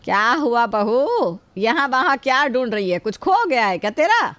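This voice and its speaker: A woman's voice: fairly high pitch, big pitch swings, normal speed, fairly bright tone, no echo. A middle-aged woman playing a kind, protective mother-in-law who scolds yet shields her daughter-in-law.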